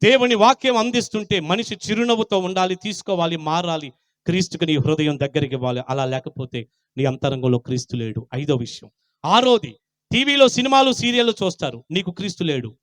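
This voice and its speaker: A man. He confronts his listeners with pointed rhetorical questions, swinging from loud demands to quiet lines. The sound is dry and close. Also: high-pitched, lively intonation, a little fast, no room sound. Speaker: pastor. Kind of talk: Christmas sermon.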